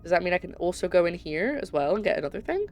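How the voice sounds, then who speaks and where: A woman's voice: on the low side, sing-song, quick pace, darkish tone, soft background music. Chatty Scottish woman streaming a game. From Scotland. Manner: chatty, rambling, with frequent self-interruptions. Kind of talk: casual chat while live-streaming a game.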